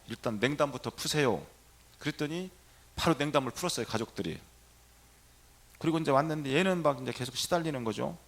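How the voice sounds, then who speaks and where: A middle-aged man, a Catholic priest, telling a story in a sermon and acting out the quoted dialogue with lively energy. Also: on the high side, creaky.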